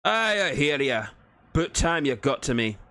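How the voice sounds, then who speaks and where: A man voicing a gruff, bickering male dwarf with a rough, whiskey-soaked Irish-Scottish brogue. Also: fairly high pitch, very animated, a little slow, bright, forceful tone, pitched above the performer's own voice, exaggerated voice. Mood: boisterous. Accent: Irish-Scottish put-on brogue. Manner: boisterous, bickering.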